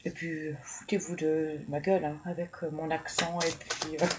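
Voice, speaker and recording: Card reader, female, casual, stammers while thinking aloud, unhurried delivery. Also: low voice, background noise. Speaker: tarot and oracle card reader. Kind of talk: casual card-reading video.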